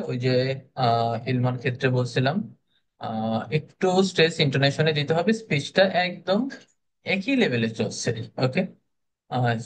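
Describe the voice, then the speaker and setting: A man's voice: mid-range voice, slight background noise. A man with a Bangladeshi accent giving spoken feedback to students in an online speaking class. He says "ah" often and mixes Bangla with English. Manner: relaxed, many "ah" fillers, mixes Bangla and English. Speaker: speaking club instructor. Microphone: video call.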